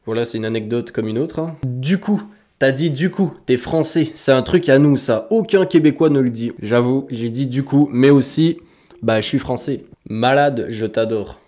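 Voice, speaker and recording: Young guy from France, mixed French-Quebec accent, joking vlog chatter, mid-pitched. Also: moderate pace, darkish tone. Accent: mix of French and Quebec French. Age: young adult. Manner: playful, joking, swears freely. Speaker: content creator. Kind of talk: casual vlog chat answering comments.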